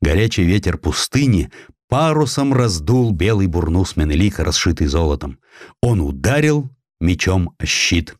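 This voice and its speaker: A man reading a historical essay as an audiobook narrator, in a measured, dramatic storytelling delivery with expressive emphasis. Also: low-pitched, dry recording, clean studio sound.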